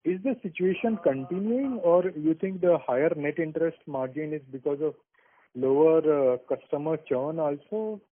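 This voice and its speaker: A man's voice: a little high, moderate pace. A man with an Indian accent, an analyst calling in to ask questions on an earnings call. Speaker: analyst caller asking questions. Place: conference call over the phone. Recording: tinny narrowband phone line.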